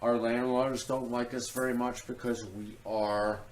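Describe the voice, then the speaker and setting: A woman's voice: extremely low pitch, fairly even intonation, a little slow, darkish tone, a little hiss or hum, low-quality recording. A trans woman with a Southern accent, chatting and teasing playfully while filming a casual home vlog. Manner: playful, teasing questions, laughs often. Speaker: vlogger filming her family. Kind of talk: casual handheld vlog chat. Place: at home, then outdoors in a driveway.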